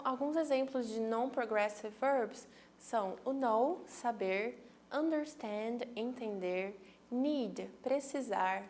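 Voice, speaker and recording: A woman's voice: on the high side, a little mellow, slight background noise. A woman teaching English grammar, patiently explaining in her own language and checking that listeners follow, with English example sentences mixed in. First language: Portuguese. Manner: switches between English examples and Portuguese explanation.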